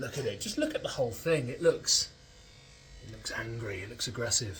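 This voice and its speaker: A man with an English accent, big swings in loudness, audible room echo and noticeable background noise. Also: fairly quick pace. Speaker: amateur racing driver and channel host. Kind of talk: casual vlog to camera. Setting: garage. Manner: animated.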